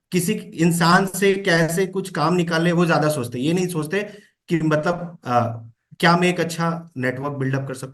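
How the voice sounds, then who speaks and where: A man's voice: a little high, a bit bright. A man giving a motivational talk as a trainer, mixing English phrases into Hindi and often checking in with "है ना?". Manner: coaching, with frequent "है ना?" check-ins.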